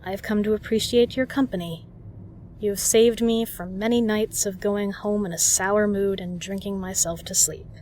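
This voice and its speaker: Playing a flirtatious, protective, kind regular at a bar, this woman speaks to the listener with earnest reassurance, sounding tender and sincere. The voice is mid-range, steady and a little mellow at a moderate pace, near an everyday voice, with slight hiss or hum in the recording.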